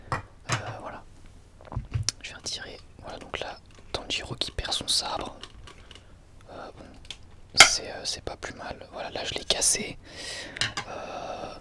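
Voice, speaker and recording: An ASMR host whispering a casual, drily ironic product presentation in a hesitant, conversational way.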